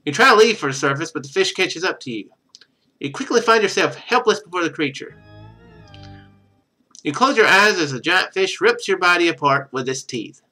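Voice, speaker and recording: Guy livestreaming a game, kinda high bright voice, really swingy pitch, reads the text out then cracks dry sarcastic comments. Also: lively intonation, moderate pace, faint music behind, poor audio. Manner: wry, sarcastic asides. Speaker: game streamer. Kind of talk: live let's play, reading game text aloud with casual commentary.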